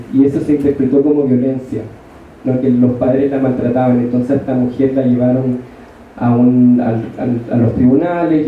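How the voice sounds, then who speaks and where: A man's voice: mid-range voice, slight background noise. Hesitant Chilean man in an echoey hall. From northern Chile. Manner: hesitant, many fillers and restarts. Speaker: audience member commenting. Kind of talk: unscripted comment at a panel Q&A. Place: large lecture hall. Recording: distant, echoey hall, thin phone-like sound.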